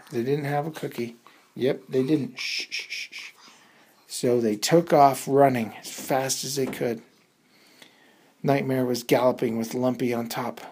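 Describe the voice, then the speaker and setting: A woman's voice: a bass voice, darkish tone, husky. A woman telling a suspenseful bedtime story for children in a dramatic, improvised way, repeating words for effect.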